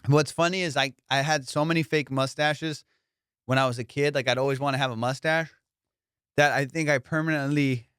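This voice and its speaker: Smooth-voiced man bantering on a podcast. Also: mid-range voice, fairly even intonation, a little fast, fairly bright tone, dry recording, studio quality. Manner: slangy, profane, teasing banter. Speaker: comedian and podcast host. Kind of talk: casual comedic podcast chat.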